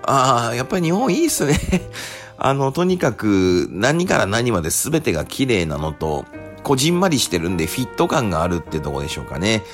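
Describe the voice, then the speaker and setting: Deep-voiced man, lively chatty radio talk. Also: brisk, soft background music. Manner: chatty, relaxed storytelling with many fillers. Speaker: radio host and rakugo storyteller. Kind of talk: casual radio chat. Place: Japan.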